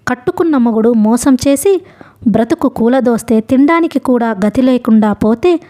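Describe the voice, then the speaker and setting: A desperate middle-aged mother , voiced by a woman reading a novel aloud, shouts bitter threats at her daughter. Her voice sits fairly high and yet stays soft and mellow in tone. This is an audiobook reading. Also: expressive, normal speed, close to an everyday voice. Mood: raging.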